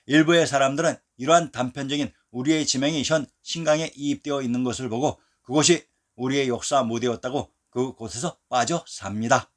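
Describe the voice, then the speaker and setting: A man narrating a scripted history lesson in a measured, declarative way. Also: medium pitch, steady tone.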